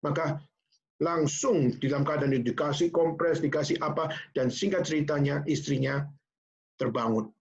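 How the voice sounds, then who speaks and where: A male pastor telling a story during a sermon, animated and speaking straight to his congregation. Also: a little high, normal speed, dull audio.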